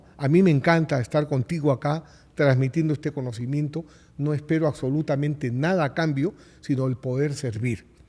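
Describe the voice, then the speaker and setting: A man's fairly high pitch and dark, mellow tone on a very clean recording with a silent background. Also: fairly quick pace. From Peru. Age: 60s. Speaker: real estate investor and business executive. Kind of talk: podcast interview.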